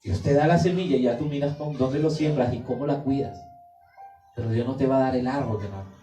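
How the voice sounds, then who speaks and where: Male preacher, emphatic sermon, mellow tone, distant mic, faint music behind. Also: medium pitch, quick pace, roomy sound. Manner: emphatic, acts out quoted prayers.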